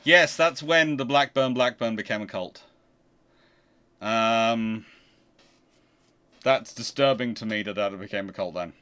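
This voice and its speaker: A man with a fairly low voice hosts a casual livestream. He speaks haltingly, doubling back on words and restarting phrases as he takes questions from viewers. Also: sharp tone, smooth. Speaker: livestream host.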